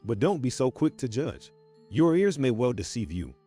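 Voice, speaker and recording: A man's voice: mid-range voice, big pitch swings, normal speed, warm tone, husky. A man narrating a true crime documentary from a script, in a storytelling style. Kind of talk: scripted narration with rhetorical questions. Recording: music bed under narration.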